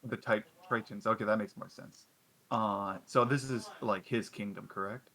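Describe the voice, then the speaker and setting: Stammering bright-voiced young man. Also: on the low side, fairly even intonation, moderate pace. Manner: stammering, restarts often, laughs at himself. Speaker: player. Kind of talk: casual chat between players.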